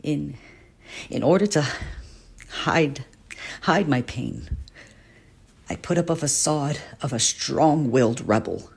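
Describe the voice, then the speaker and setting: A man playing a gentle guardian teacher haunted by his past in a dramatic monologue, with a husky, earnest, confiding delivery. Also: a little high, lively intonation, slow pace, pauses often, exaggerated voice. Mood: pained, regretful. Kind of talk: dramatic character monologue for a voice reel.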